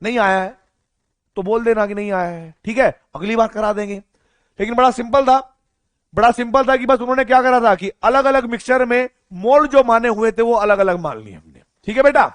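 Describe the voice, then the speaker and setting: A young male chemistry teacher with a very high voice, talking through a lesson at home. His delivery is quiet and deliberately slow, and he coaxes students with questions he answers himself. The recording is close and dry, with no room echo. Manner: speaks softly and slowly on purpose. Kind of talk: online lecture.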